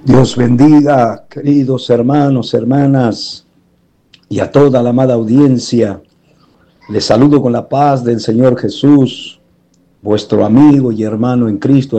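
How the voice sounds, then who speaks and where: A man from Argentina with an Argentine Spanish accent, a pastor sending a slow, earnest voice message of greetings and blessings to a radio program. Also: medium pitch, mellow, poor audio. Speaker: pastor calling in.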